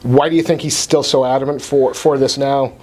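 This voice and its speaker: A man interviewing a fighter, asking his questions haltingly and often stumbling over and repeating words. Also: medium pitch, fairly even intonation, darkish tone.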